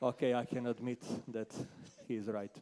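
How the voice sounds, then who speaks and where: A man with a Serbian accent, speaking as a panelist and company manager, halting and full of fillers. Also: mid-range voice, little pitch movement, dark tone. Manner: halting, many fillers, non-native phrasing. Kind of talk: panel discussion answers.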